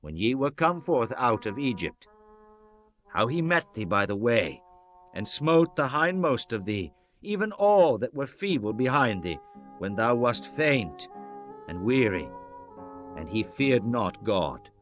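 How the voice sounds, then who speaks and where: A man's voice: medium pitch, sing-song. Solemn male scripture narrator over music. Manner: solemn, measured, declamatory. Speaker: audiobook narrator. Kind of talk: dramatized scripture reading, archaic English. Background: background music.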